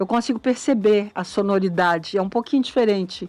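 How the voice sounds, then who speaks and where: This woman's pitch varies in an ordinary way, on a very clean recording with a silent background. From Belo Horizonte, Brazil. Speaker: radio host. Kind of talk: casual chat.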